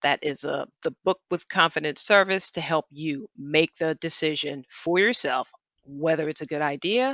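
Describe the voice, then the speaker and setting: A woman with a fairly low pitch and a normal speaking voice talks at a moderate pace with ordinary pitch variation. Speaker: travel agent. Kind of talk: live stream sales pitch. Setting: live stream.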